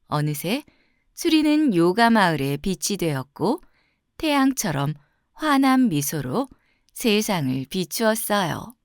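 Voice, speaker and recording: A woman storyteller narrating a children's fairy tale from a script, with expressive, carefully phrased delivery. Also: mid-range voice, slow, no echo, clean studio sound.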